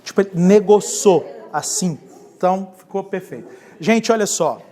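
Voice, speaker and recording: A pastor gives a classroom lecture on leadership. His delivery is lively, and he keeps coming back to the same key words. He questions the class as he goes. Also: high-pitched, fairly quick.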